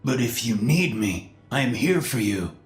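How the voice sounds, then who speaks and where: A man voicing a medium who fakes a dead husband's loving spirit in a slow, wavering, over-pious tone. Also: mid-range voice, animated, echoey room, soft background music, voice pushed up, lightly acted.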